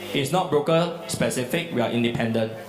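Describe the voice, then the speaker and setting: Over music in the background and with audible room echo, a man talks at a fairly quick pace with lively intonation. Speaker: trading educator. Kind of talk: seminar sales pitch. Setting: stage with audience. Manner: fast.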